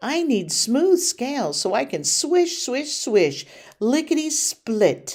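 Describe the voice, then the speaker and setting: A put-on character voice, female-sounding and high in pitch, is raised and projected at a fairly slow pace. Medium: read story.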